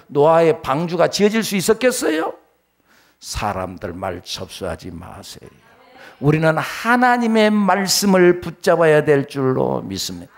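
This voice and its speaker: Middle-aged man, pastor; high, lively, gravelly voice; dramatic sermon with acted-out quotes. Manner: preaching with big swings between loud emphasis and hushed low lines; acts out quoted voices in dialogue.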